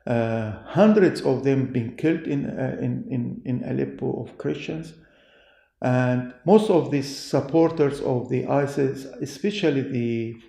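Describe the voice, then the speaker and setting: A man with a Middle Eastern accent, a non-native English speaker, answering interview questions as a pastor and doctor in halting, deliberate phrases. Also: medium pitch, creaky, mellow. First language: not English. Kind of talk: interview answers, personal testimony. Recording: echoey room.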